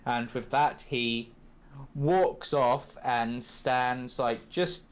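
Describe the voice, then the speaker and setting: Halting male game master, medium pitch. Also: clear, resonant tone. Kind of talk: improvised tabletop game narration.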